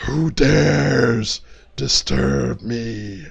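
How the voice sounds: In a put-on character voice, a man speaks raspily at a fairly low pitch with very wide pitch swings.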